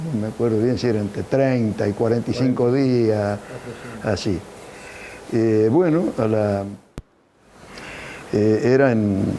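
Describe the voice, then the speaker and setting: Over noticeable background noise, a man at a medium pitch speaks at a very slow pace, leaving long, frequent pauses. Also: ordinary pitch variation. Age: 70s. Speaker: son of immigrants telling family history. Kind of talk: personal storytelling interview.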